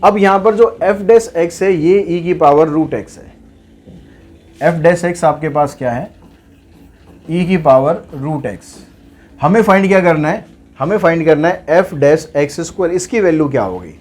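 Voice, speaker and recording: Guy teaching maths online, kinda high voice, talks thru each step asking himself what comes next. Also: unhurried, a little mellow. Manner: explains steps aloud, asks and answers his own questions.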